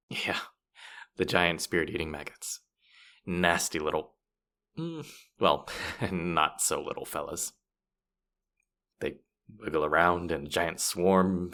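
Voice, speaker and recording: Fantasy audio roleplay: male actor as boastful, playful afterlife trickster spirit, low register, very animated intonation, teasing and theatrical. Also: heavily acted. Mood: gleeful disgust. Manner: teasing, theatrical, mock-sympathetic, swooping delivery.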